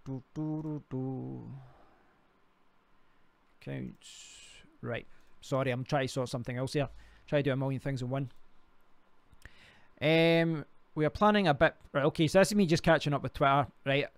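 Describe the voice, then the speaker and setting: A man's voice: mid-range voice, moderate pace, gravelly, pauses often, no echo. Scottish man chatting on a live stream. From Scotland. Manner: rambling, talks to himself while clicking around. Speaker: crypto livestream host. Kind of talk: casual live stream chat.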